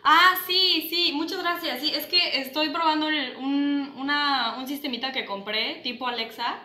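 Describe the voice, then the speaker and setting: A woman in her twenties with a Mexican accent, chatting excitably and casually like a vlogger in her kitchen. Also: high voice, normal speed. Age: 20s. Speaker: vlogger, prankster. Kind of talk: animated casual vlog chat and phone prank. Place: small home kitchen, indoors. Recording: roomy kitchen echo.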